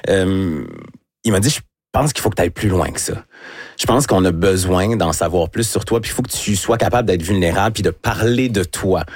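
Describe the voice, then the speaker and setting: A man in his thirties from Quebec with a Québécois French accent, answering interview questions in a thoughtful, measured way. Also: sits low, slightly rough, no room sound, studio quality. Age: 30s. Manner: thoughtful, measured, often pausing with fillers. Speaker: radio host as guest. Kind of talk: relaxed interview talk.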